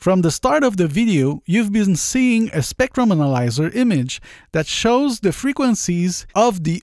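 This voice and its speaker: A man talks at a fairly slow pace with very wide pitch swings. The recording is very clean, with a silent background. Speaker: audio engineer, tutorial host. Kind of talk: tutorial.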